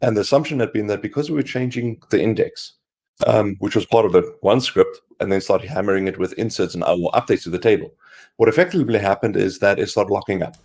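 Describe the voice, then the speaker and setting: A man co-hosting a casual tech livestream, hoarse from a cold, explaining things in a rambling way with lots of fillers. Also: lowish voice, fast, darkish tone. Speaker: co-host.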